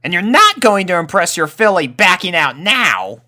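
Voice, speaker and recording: A man's voice: sits high, very animated, moderate pace, pushed and bright, pitched above the performer's own voice, heavily acted. A man voicing a bossy young unicorn pony boy with some worry underneath, in an acted story reading. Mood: bossy, exasperated. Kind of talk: acted character voice in fan fiction reading.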